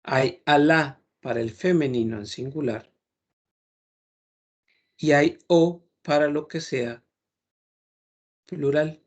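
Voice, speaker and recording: A man teaching a French lesson, explaining patiently and repeating words slowly to model pronunciation. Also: a little high.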